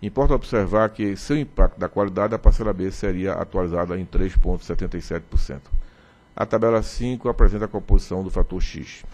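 This man has an unremarkable speaking voice, fairly low in pitch with ordinary pitch variation. At a moderate pace, his loudness swings widely. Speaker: regulatory agency director. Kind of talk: formal reading of report and vote. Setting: public board meeting. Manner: formal.

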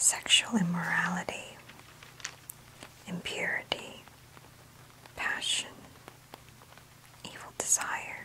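Whispering at a very slow pace, a woman speaks. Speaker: ASMR Bible reader. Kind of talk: Bible reading, ASMR. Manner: whispered, soft-spoken. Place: home room.

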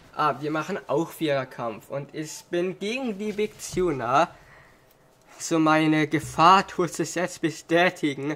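Music is playing behind the voice. The words come very slowly. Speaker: gaming YouTuber. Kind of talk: let's play commentary. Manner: animated.

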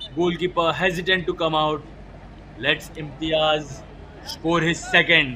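Amid noticeable background noise, a man talks at a fairly slow pace with long, frequent pauses. His fairly high voice is monotone and flat, with very even loudness. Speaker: football commentator. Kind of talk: live football commentary, highlights voiceover.

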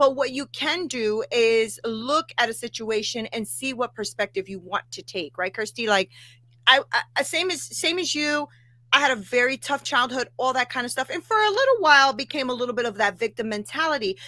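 Against a quiet background, a woman with a high pitch talks at a moderate pace, her bright, sharp tone animated and energetic and her intonation lively. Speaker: podcast host. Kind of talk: casual interview. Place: home room.

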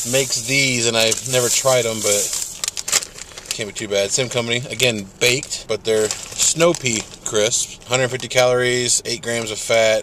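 A man speaks at a fairly slow pace in a monotone, flat intonation, the sound dry with no echo and the background noise noticeable. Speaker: vlogger. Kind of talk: casual vlog chat. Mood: relaxed, laughing. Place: car. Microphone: phone near.

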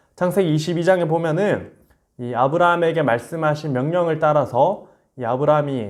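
Audible room echo surrounds a man who talks at a fairly slow pace with lively intonation. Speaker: assistant pastor teaching a Bible class. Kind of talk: lecture. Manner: formal.

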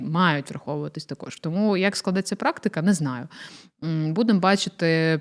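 A woman with an ordinary speaking voice, fairly low pitch and ordinary pitch variation is heard on a very clean recording with a silent background. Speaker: lawyer. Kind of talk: studio interview explaining legal matters. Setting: studio.

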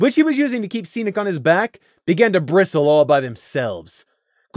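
The clip has an unforced reading voice. Its background is quiet.

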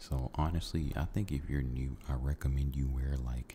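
A man's very deep, low, somewhat breathy voice of dark, mellow tone, monotone and flat, over light background noise. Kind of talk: soft ASMR-style casual chat. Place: home room. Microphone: studio mic.

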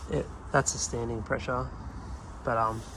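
A man speaks with fairly even intonation. The sound is dry with no echo, over noticeable background noise. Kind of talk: tutorial commentary. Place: garden. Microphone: phone near.

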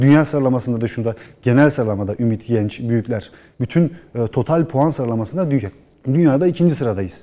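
A dark, mellow voice moves at a fairly quick pace with ordinary pitch variation. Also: man, medium pitch for a man. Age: 20s. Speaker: national team karate athlete, engineer; guest. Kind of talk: TV sports interview. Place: studio.

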